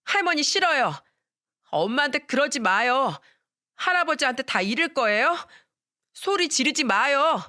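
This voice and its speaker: A storyteller voicing a small, distressed young boy who pleads in a high, tearful voice. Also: sing-song, measured pace, bright, forceful tone, heavily acted. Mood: pleading.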